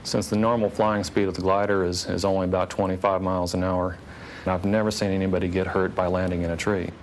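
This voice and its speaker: Flat, very deep-voiced man recounting. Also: quick pace, slight background noise. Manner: calm, matter-of-fact recollection. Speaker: hang glider pilot, witness. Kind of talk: interview testimony.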